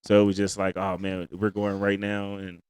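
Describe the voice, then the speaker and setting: A man's voice: low voice, completely flat delivery, moderate pace, a little mellow, clean tone, no room sound, clean studio sound. A man with an African American accent talking casually and emphatically on a podcast as a comedian guest, using plenty of slang.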